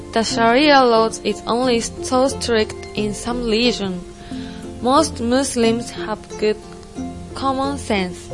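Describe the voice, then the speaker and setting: A young woman playing a strict, earnest Saudi Muslim panelist in a scripted student stage play, over music. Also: on the high side. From Japan. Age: young adult. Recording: music behind the voice.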